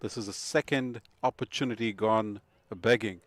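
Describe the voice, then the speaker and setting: A man giving live cricket commentary in a measured, analytical way, sometimes pausing with fillers. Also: fairly low pitch, dry recording.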